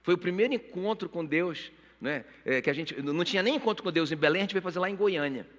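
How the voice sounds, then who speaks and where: A man preaches in a bright, ringing voice, his words trailing off into the long echo of a church auditorium. He is middle-aged and tells his own story with deep feeling, often calling out to the people in front of him. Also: expressive, fast. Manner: emotional storytelling, repeatedly addressing the congregation. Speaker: pastor. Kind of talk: sermon with personal testimony. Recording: long reverb of a church hall.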